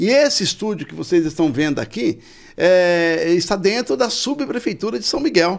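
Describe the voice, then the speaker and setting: A man speaks at a high pitch and moderate pace, his loudness swinging widely and his pitch ranging very widely. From Minas Gerais, Brazil (Triângulo Mineiro). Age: 60s. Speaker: local government official and journalist. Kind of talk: podcast interview. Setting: podcast studio.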